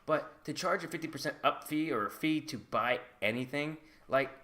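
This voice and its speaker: A man's voice: a little high, moderate pace, bright, forceful tone. A man talking casually to camera in his channel video, candid and hedging as he shares his own experience. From United States. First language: English. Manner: chatty and candid, hedging with "like" and "I guess". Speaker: vlogger.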